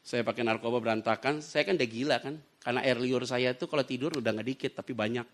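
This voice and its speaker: A man's voice: mid-range voice, quick pace. A man preaching a sermon, telling stories and acting out the voices of the people in them. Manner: lively storytelling preacher who acts out dialogue. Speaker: pastor. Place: church.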